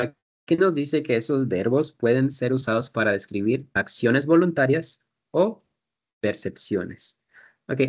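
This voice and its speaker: A man teaching an English class, explaining patiently step by step and drilling pronunciation. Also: medium pitch.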